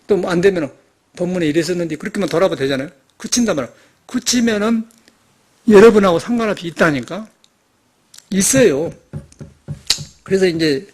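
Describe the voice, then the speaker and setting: A man's voice: high-pitched, darkish tone, husky. A man, a Buddhist monk, giving an informal, rambling sermon full of rhetorical questions and restarts. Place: temple meditation hall.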